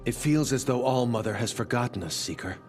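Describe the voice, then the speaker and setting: A man's voice: medium pitch, expressive, fairly quick, faint music behind, natural voice. An actor playing a weary tribal man clinging to hope in a video game. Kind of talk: dramatic video game acting.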